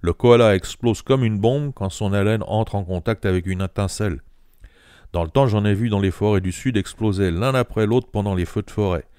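A sly old bush yarn-spinner, put on by a male reader, spinning tall tales with emphatic swings. The voice sits deep and dark. The sound is dry and close. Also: normal speed, smooth, no echo, close to an everyday voice.

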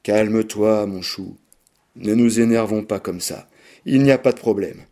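Guy reading a cold young man in a storybook, dry clipped lines, warm dark tone, no feeling in it. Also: medium pitch, normal speed, close to an everyday voice. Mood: falsely soothing.

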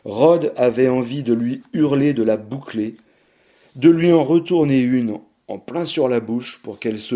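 A man narrating a novel in a measured, steady voice. His tone is warm and mellow, and his pitch sits in the middle range. He slows at the darker moments. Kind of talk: scripted narration.

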